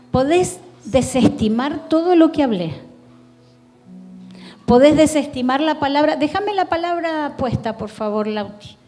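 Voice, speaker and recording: Speaking directly to her listener, an Argentine-accented woman pastor delivers an earnest, pleading sermon in a church hall. Her high voice has a dark tone, and the sound is that of a big room.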